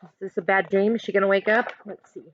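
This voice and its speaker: A woman teacher reading a picture book aloud to children in an expressive way, pausing to ask listeners questions and coach them. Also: mid-range voice, dry recording, dull audio. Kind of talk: animated children's read-aloud with teaching asides.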